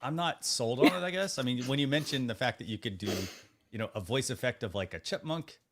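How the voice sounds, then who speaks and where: Halting male talk show host, mid-pitched. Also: animated. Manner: halting, thinks aloud, often rephrasing. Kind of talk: casual panel discussion.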